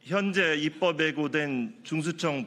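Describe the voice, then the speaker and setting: Here a man speaks very slowly in a bright, sharp tone with ordinary pitch variation. The recording is very clean, with a silent background. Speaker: advisory committee member. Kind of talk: press conference statement. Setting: press room at the National Assembly. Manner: formal.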